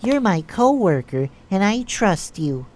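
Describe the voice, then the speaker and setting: A woman's voice: medium pitch, sing-song, unhurried, a little mellow. A woman playing an earnest, trusting, mildly exasperated nurse in an audio drama, with a polite, questioning way of talking. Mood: earnest, reassuring.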